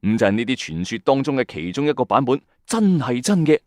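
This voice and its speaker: Speaking directly to his audience, this Hong Kong Cantonese-accented narrator delivers dramatic storytelling with commentary in the style of a late-night ghost story host, colloquial and emphatic. His medium pitch swings widely at a fairly quick pace, the tone a little mellow, in a dry voice-over with music beneath.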